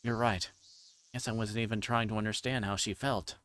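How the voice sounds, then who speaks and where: A man livestreaming a visual novel, reading story text aloud and adding halting, informal asides. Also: fairly low pitch, steady tone, a bit bright. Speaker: streamer playing a visual novel. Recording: clear background noise, insect-like ambience.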